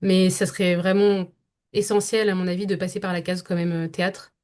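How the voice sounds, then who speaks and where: A woman's voice: on the low side, flat delivery, brisk, a little mellow. A young French woman, a voice-over actress, talking through her career as a podcast guest, thoughtful and full of hesitations. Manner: thoughtful, many hesitations and restarts. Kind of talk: podcast interview conversation.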